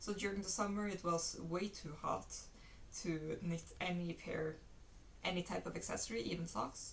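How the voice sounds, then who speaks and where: A woman with a non-native accent talks at a moderate pace, her pitch fairly low. Her intonation stays fairly even over noticeable background noise. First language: not English. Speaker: knitting podcaster. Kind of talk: casual video podcast show-and-tell. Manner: hesitant, many fillers.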